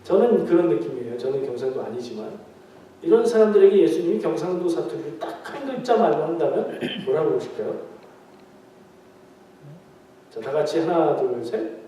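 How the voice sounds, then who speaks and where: A man's voice: a little high, expressive, normal speed, pauses often, warm tone, a little hiss or hum. A man preaching a midweek prayer meeting sermon in a conversational way, asking the congregation questions and joking with them. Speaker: pastor. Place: church sanctuary. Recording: very echoey hall, mic far off.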